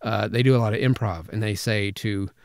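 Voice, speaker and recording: A man with a fairly low voice teaches voice acting. He talks in a casual, conversational way, as in an informal tutorial. The recording is close and dry. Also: fairly even intonation, brisk, dry recording. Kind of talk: informal instructional talk with vocal demonstrations. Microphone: close studio microphone, spoken slightly to the side.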